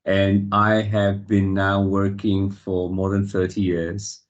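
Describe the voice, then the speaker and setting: A man in his fifties from Singapore, answering interview questions in a measured, reflective way with frequent fillers. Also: low voice, completely flat delivery, highs cut off. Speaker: guest.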